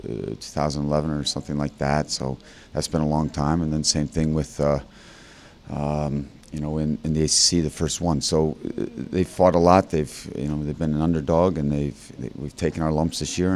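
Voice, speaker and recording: A man in his fifties, a head coach in a postgame interview, talking haltingly with many fillers and restarts into a handheld mic. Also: a bass voice, a little mellow. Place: indoor interview backdrop. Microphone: handheld mic held by interviewer.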